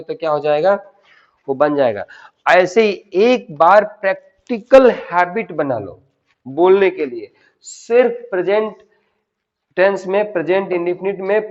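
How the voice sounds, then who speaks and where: Hindi-speaking male teacher drilling words slowly. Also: fairly high pitch, darkish tone. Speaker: English teacher. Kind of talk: spoken English lesson in Hindi. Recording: dull lo-fi sound.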